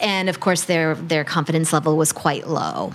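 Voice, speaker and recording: A woman speaks at a fairly low pitch with ordinary pitch variation. Hers is a plain, everyday voice. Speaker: embassy English language program director. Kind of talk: interview.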